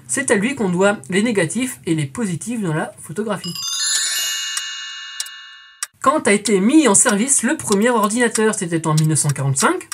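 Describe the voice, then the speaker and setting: A woman's voice: medium pitch, background noise. A woman in her twenties hosting a scripted educational quiz, chatty and playful, calling her viewers friends and adding jokey asides. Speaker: quiz show host.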